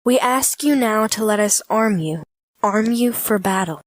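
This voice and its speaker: A woman's voice: mid-range voice, lively intonation, unhurried, dry recording, natural voice. Lady playing a sinister cult member, ceremonious, radio drama, really dry sound. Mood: solemn, urging.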